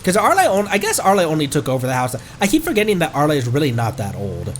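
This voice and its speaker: A man's voice: fairly high pitch, wildly swooping pitch, quick pace, faint music behind. A man streaming a video game with casual, jokey live commentary. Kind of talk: casual live game commentary mixed with acted dialogue reading.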